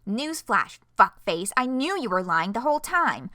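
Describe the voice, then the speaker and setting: A woman's voice: on the high side, big pitch swings, moderate pace, bright, forceful tone, no echo, clean studio sound. A woman voicing a bitter, sarcastic young woman snapping at a friend. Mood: snapping back.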